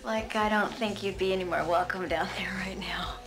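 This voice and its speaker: A woman's voice: medium pitch, steady tone, moderate pace, over music, lightly acted. An actress playing a coy, hesitant teenage valley girl in a teen film. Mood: coy, curious. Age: young adult. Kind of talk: 1980s teen film acting.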